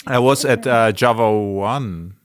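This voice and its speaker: Man, podcast host, mid-pitched voice, very dry sound, casual chat, halting non-native English. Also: clear, resonant tone, dry recording.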